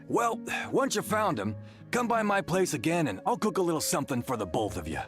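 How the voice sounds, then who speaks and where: A friendly rambling village husband from a game, voice bouncing up and down, music behind. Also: male voice, fairly high pitch, a little fast. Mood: warm, caring. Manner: rambling, animated storytelling with sighs. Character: chatty, kindly married village man, henpecked and generous. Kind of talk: video game voice acting.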